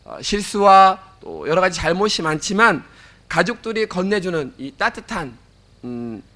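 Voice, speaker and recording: A man's voice: high voice, bright, forceful tone. A man preaching a sermon, telling a story to his congregation with frequent "uh" fillers. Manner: storytelling, addresses the congregation directly; fillers and self-corrections.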